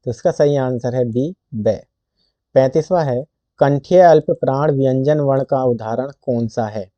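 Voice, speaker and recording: A man tutoring for an exam works through quiz questions at a slow, careful pace, reading out each option before giving the answer. His voice is very dark and mellow. The recording is dry, close and dull, with a lo-fi edge. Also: mid-range voice, no echo. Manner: reads options slowly, then states the answer.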